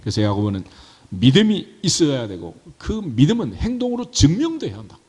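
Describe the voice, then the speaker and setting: A man delivers a sermon from the pulpit in an easygoing, conversational way, often turning lines into questions for the listeners. His voice rises and falls with lively pitch. The sound carries a long reverb from the church hall. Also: fairly quick, breathy edge. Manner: conversational, asks the congregation rhetorical questions. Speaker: pastor. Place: church sanctuary.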